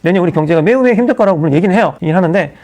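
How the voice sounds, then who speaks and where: A middle-aged male pastor gives a lively, chatty sermon, tossing in asides and little acted-out quotes. He talks very fast in a fairly high voice with a gravelly rasp. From South Korea. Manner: animated, conversational preaching with frequent asides and acted-out quotes.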